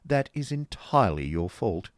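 A man's voice: on the low side, sing-song, moderate pace, dry recording, clean studio sound, voice pushed up. A man voicing a haughty, businesslike married woman with a genteel, reproving manner in a storybook reading. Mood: pouting.

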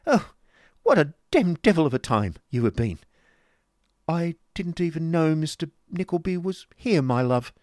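A man voicing a foppish, excitable husband with theatrical, gushing, affected speech in an audiobook story. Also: fairly high pitch, measured pace, dry recording, clean studio sound, voice pushed up. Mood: affected dismay.

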